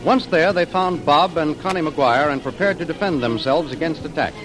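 A man's voice: fairly high pitch, normal speed, rough recording. A man announcing and narrating an old radio serial in a formal, declamatory way. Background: music.

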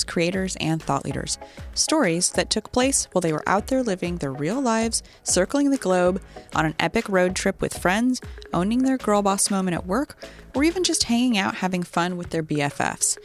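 Bubbly woman hosting a podcast intro. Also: mid-range voice. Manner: bubbly, promotional. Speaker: podcast host.

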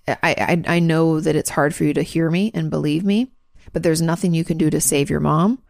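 A congested American woman with a low, gravelly voice hosts a podcast and answers listener questions. She talks frankly and earnestly in a loose, casual way, with plenty of ums and restarts. Her voice is recorded close up and dry, with no room sound. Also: fairly even intonation, moderate pace, a little mellow, no room sound. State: congested, clearing her throat. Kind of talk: casual advice talk.

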